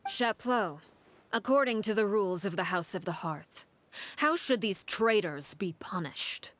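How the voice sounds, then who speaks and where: A woman's voice: medium pitch, expressive, a bit bright, a little hiss or hum. A woman voicing a stern female head of a household in a game, who speaks coldly and formally. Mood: cold commanding. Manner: cold, formal, unhurried. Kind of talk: game cutscene voice acting.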